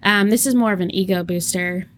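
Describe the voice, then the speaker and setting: A woman co-hosting a casual podcast tells stories, laughs often, and acts out what people said. Her mid-range voice is fairly bright, and she talks fairly quickly.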